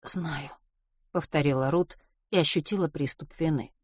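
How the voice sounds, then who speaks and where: Low-voiced woman narrating. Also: brisk, no room sound, clean studio sound. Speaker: audiobook narrator. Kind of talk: scripted narration.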